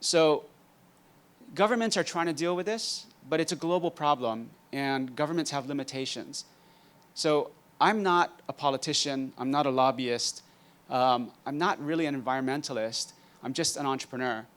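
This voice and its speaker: A man in his fifties from Hawaii, giving a conference master class in a relaxed, dry-humored way with frequent ums. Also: medium pitch, normal speed. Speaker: guest speaker, entrepreneur.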